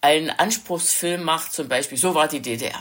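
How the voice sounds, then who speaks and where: A woman speaks at a very slow pace. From East Germany, Chemnitz (Saxony). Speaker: writer. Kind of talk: interview.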